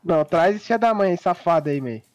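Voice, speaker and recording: A man's voice: high-pitched, animated, fairly quick, a little mellow, dull audio. A man playing along as a guest, panicking and joking in slangy casual chat. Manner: panicky, slangy, repeats words. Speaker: guest player.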